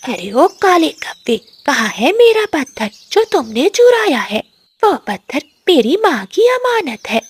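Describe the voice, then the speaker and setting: A woman's voice: sits high, big pitch swings, measured pace. A woman voicing a fierce, angry female eagle aunt in a cartoon. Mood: furious.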